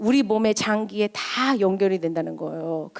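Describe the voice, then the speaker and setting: Speaking at a very slow pace, a woman uses a loud voice and lively intonation. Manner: agitated, excited.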